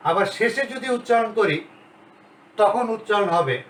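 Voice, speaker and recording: A male grammar lecturer teaching a class at the board, talking slowly and deliberately and repeating the key sounds. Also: high-pitched, expressive, fairly bright tone, far from the mic. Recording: roomy, off-mic, faint hiss.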